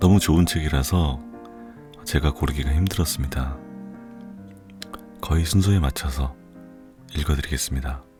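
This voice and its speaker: With music in the background, a man with a very deep, low pitch speaks at a moderate pace with long, frequent pauses. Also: ordinary pitch variation. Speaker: audiobook reader, ASMR narrator. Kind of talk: audiobook reading of an essay, bedtime listening.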